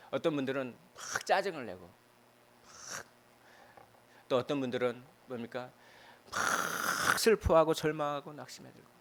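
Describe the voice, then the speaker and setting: A male pastor preaching a Sunday sermon in a church, chatty and animated, with many fillers and rhetorical questions. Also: medium pitch. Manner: animated, piling up emotional verbs. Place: church sanctuary.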